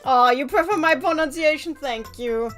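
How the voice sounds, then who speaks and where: A woman's voice: high voice, moderate pace, fairly bright tone, soft background music. A young woman in her twenties with a German accent, a native German speaker, chatting casually with viewers while playing a game on a live stream. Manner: chatty, answering viewer chat mid-game.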